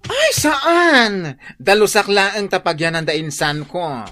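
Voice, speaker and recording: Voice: mid-range voice, sing-song, takes it slowly, sharp tone, heavily acted. A performer playing a sassy, effusive gay cousin in an Ilocano radio drama, exclaiming and teasing.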